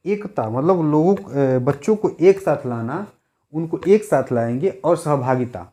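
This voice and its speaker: A man's voice: a little high, mellow. A young adult male teacher giving an exam-prep lecture, repeating key words and putting rhetorical questions to his students.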